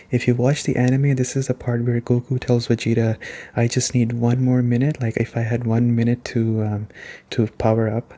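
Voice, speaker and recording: In a relaxed ASMR game review, a man speaks softly at a medium pitch, rambling conversationally. He circles back over his points to emphasize them.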